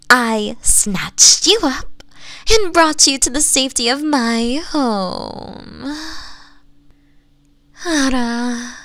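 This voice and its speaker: A woman voicing a doting, possessive nine-tailed fox woman in an ASMR roleplay, cooing and teasing in a breathy voice that often drops to whispers. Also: high voice, fairly bright tone, no room sound, heavily acted. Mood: teasing, smitten. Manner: cooing, teasing, slow sultry endearments with giggles.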